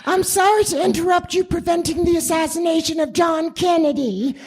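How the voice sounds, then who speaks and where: A woman plays a needy housewife in a comic radio play. Her voice is extremely high. She frets, pleads and gushes in an effusive way. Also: fairly even intonation, fairly quick, darkish tone, soft background music. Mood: fretful, effusive. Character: Margaret, needy fretful housewife friend, loud and shrill.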